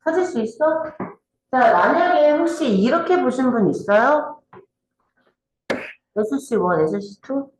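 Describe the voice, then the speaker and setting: A woman's voice: high voice, a little slow, pauses often. Woman english teacher doing exam prep, keeps asking the class if they're following, voice goes up and down a lot. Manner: lively, checks in often with students. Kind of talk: exam-prep grammar lesson. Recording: very echoey room with faint noise.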